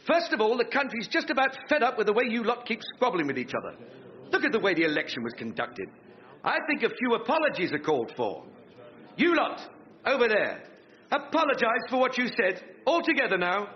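An actor playing a pompous, bossy would-be Prime Minister with an English accent, blustering colloquially in a radio sitcom. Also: male voice, sits high, very animated, fairly quick. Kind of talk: radio sitcom acting before an audience. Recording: muffled, with studio audience laughter.

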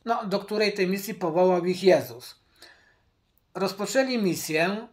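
A man teaching from the Bible, speaking deliberately, repeating his key points and addressing viewers directly. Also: high voice. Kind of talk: Bible study commentary.

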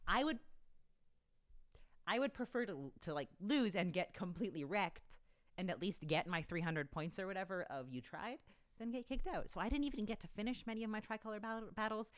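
A young adult woman co-hosting a podcast at home, talking in a rambling, animated way full of fillers, close to a desk mic. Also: medium pitch, a little fast. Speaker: podcast co-host. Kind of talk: casual chat. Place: home studio room with bookshelves. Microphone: desk broadcast mic on boom arm.

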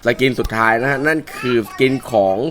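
A man with a worn-out, hoarse voice hosting a casual game skin review, chatting along and pushing his voice lower than usual. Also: brisk, a bit bright. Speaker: mobile game channel host.

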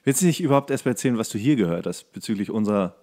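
Male co-host for laid-out casual podcast banter, slightly low voice, dry humour. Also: animated, very fast, a little mellow. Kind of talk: casual comedic podcast chat.

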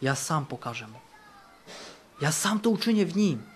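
A male camp preacher in full sermon mode, his fairly high voice rising for bold declarations and dropping for quiet, earnest passages. He drives points home by repeating key phrases. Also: sing-song, normal speed, slight background noise. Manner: fervent, repeats phrases for emphasis, swings between loud and hushed. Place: camp meeting.

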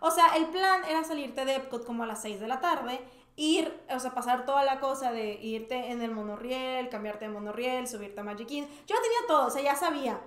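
Fast-talking bubbly woman telling a story. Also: high voice, roomy sound. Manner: animated storytelling, acting out her own reactions. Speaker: podcast co-host. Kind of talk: casual podcast chat.

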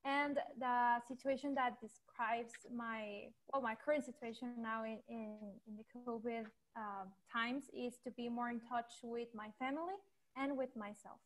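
A young woman from Mexico introduces herself with restarts and fillers. Her voice sits somewhat high. She talks into earphones on a video call. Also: fairly even intonation, moderate pace, rough recording. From Durango, Mexico. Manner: hesitant, restarting. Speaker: workshop participant. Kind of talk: casual self-introduction.

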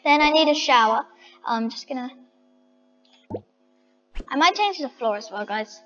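A woman's voice: high voice, lively intonation, measured pace, pushed and bright, big-room sound, muffled recording. A woman chatting to her viewers as she decorates a house in a game, thinking aloud. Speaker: vlogger. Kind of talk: casual game commentary.

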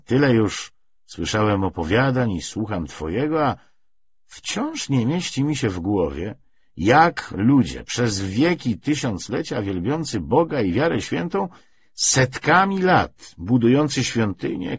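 A man's voice: mid-range voice, big pitch swings, takes it slowly, husky, voice pushed up, heavily acted. A man voicing a devout elderly father who is bewildered and questioning, speaking in an earnest, pleading, emphatic way. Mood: bewildered indignant. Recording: dull lo-fi recording.

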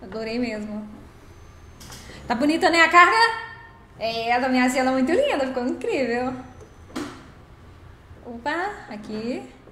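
High-voiced woman streamer. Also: animated, a little slow, pauses often, bright, forceful tone, a little hiss or hum. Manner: chatty, greets viewers by name, laughs often. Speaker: live streamer playing a truck game. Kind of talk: casual live-stream chat. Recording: roomy echo.

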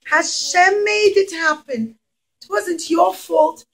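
A woman voicing an emotional young male ruler in a children's puppet story, earnest and drawn-out. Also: very high-pitched, creaky, voice pushed up, full character voice. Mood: earnest, reassuring. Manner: slow, earnest, drawn-out pleading.

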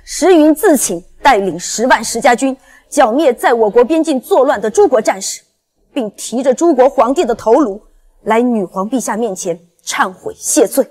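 A resolute middle-aged woman commander makes formal, solemn declarations in a screen drama. Her voice is fairly high and rings with long hall reverb. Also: animated, moderate pace, a little mellow. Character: resolute female war commander, loyal and devoted.

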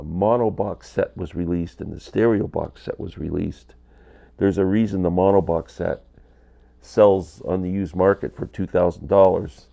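Low and dark with vocal fry, this man's voice carries a casual, rambling vlog about records, filmed in his small indoor basement. He's in his fifties, stuffed up from a cold, and talks to camera in a chatty, candid way while moving his hands constantly.

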